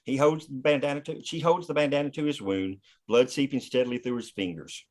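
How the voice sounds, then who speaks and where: A man's voice: mid-range voice, brisk. A man narrating scripted action and scene headings at a screenplay table read. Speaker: narrator reading stage directions.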